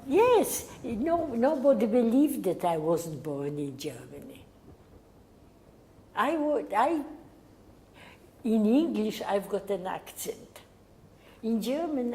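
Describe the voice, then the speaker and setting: An elderly woman from Poland, giving Holocaust survivor testimony in a halting, unhurried way that sometimes sinks to a near whisper. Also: mid-range voice, warm tone, a little hiss or hum. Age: older. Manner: slow, halting, drops to a near whisper at times. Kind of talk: recorded oral history interview.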